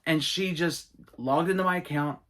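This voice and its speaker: A man's voice: fairly high pitch, normal speed. Man enthusiastically recounting old wrestling matches. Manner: enthusiastic storytelling, animated asides. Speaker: gaming and wrestling channel host. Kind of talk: casual Q&A monologue.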